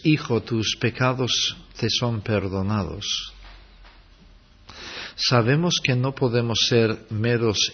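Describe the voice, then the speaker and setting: A man delivers a sermon at a very slow, measured pace, his voice slightly husky. He acts out short quotes to drive his points home. The recording is dull and lo-fi. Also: mid-range voice. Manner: slow, deliberate preaching with dramatic acted quotes. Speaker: preacher.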